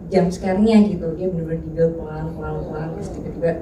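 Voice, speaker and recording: Low-voiced woman actress, earnest. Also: steady tone, quick pace, warm tone. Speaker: film actress. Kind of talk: press conference answers. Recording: distant echoey room, noisy.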